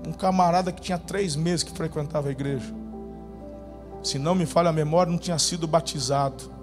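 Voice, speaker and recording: A male pastor preaching a sermon, telling a testimony dramatically, his voice swinging between loud bursts and hushed moments. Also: on the high side, fairly even intonation, a little fast. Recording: reverberant hall with faint music.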